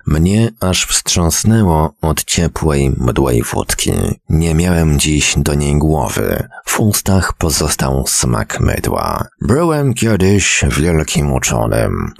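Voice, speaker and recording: Deep, gravelly male storyteller. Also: lively intonation, slow pace, hardly any pauses. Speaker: narrator. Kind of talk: audiobook reading of a short story.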